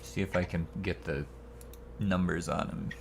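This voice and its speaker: Very low, gravelly man at game table. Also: fairly even intonation, moderate pace. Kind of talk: casual game-table chat. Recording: faint background noise.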